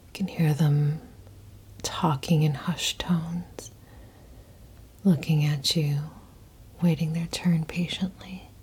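A woman whispering in a slow, hushed, intimate way, performing a guided ASMR hypnosis roleplay. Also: deep voice, steady tone. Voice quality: breathy whisper. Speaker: audio performer.

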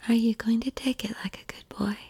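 Woman whispering super slow and breathy, soft coaxing voice, a bit high, dry close sound. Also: steady tone, no room sound. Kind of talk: whispered ASMR roleplay.

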